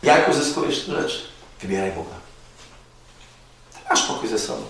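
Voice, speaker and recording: A man preaching an earnest sermon, repeating his calls, rising loud and dropping to near whispers. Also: mid-range voice, huge pitch swings, fairly quick, creaky. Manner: earnest, repetitive exhortation with sudden loud rises and soft drops. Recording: very echoey, distant mic with faint noise.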